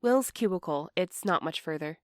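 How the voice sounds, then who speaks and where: A woman playing an anxious, apologetic young postal worker in a fiction podcast, earnest and halting in her delivery. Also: lowish voice, animated, no room sound, clean studio sound, close to an everyday voice. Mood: anxious, defensive. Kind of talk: fiction podcast audio drama acting.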